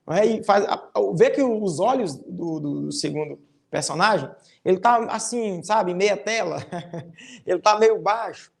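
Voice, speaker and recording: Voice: medium pitch, unhurried, creaky. Teacher, Brazilian Portuguese accent, recorded online class for children, step-by-step explanations, frequent tag questions, example lines read with exaggerated intonation.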